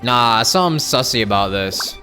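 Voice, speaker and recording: A man's voice: medium pitch, lively intonation, moderate pace, bright, forceful tone. A man livestreaming a game with casual, slangy commentary, reacting off the cuff. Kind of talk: casual live commentary while gaming. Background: game music and sound.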